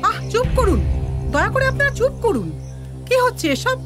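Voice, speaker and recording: A woman's voice: very high voice, sing-song, normal speed, music in the background. A woman playing a firm, indignant school defender in a film drama. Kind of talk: Bengali film drama acting.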